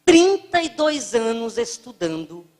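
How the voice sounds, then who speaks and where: A woman's voice: fairly high pitch, big pitch swings, a little slow, darkish tone. A woman giving a spiritist lecture, telling humorous anecdotes and acting out the voices she quotes. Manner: playful storyteller, acts out quoted voices.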